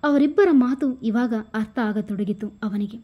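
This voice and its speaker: A woman's voice: on the high side, normal speed, dull audio. A woman with a Kannada accent narrating a serialized story, reading all the parts herself. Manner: reads every part herself, quotes louder than the narration. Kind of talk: scripted story narration with dialogue.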